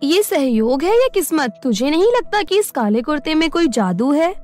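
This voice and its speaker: A supportive cartoon mother-in-law, put on by a woman. Her voice is high and animated, with motherly delivery. Soft music plays behind her. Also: normal speed. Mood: curious, intrigued.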